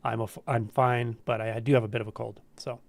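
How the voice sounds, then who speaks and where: A man's voice: medium pitch, fast, gravelly. Stuffy-voiced man chatting on a livestream. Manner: relaxed, friendly, chatty with frequent ums. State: stuffy with a cold. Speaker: spiritual teacher hosting a live Q&A. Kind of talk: casual livestream chat greeting viewers. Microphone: camera livestream setup.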